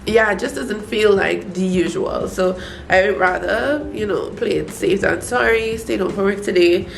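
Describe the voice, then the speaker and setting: A woman's voice: medium pitch, normal speed, creaky. A young woman from Trinidad with a Trinidadian accent, chatting casually in a home vlog while stuffy and congested, with lots of fillers. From Trinidad and Tobago. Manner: relaxed, chatty, frequent fillers. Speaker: vlogger. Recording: echoey room, faint ambient noise.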